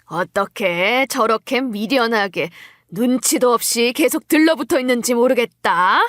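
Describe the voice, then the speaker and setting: A scornful, scheming older mother-in-law as a woman narrator acts her out in an audio story. She nags in drawn-out, emphatic phrases, pitched rather high. The recording is close and dry. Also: a bit bright, no room sound.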